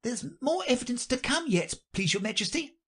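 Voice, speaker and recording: A narrator voicing a fussy, timid white rabbit courtier in a deferential, hurried manner for a storybook. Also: medium pitch, animated, fairly bright tone, husky, pitched above the performer's own voice. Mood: anxious, deferential.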